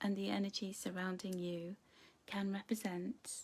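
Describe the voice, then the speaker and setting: In a very clean recording with a silent background, a woman speaks somewhat breathily at a fairly slow pace. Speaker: angel card reader. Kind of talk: live-streamed card reading.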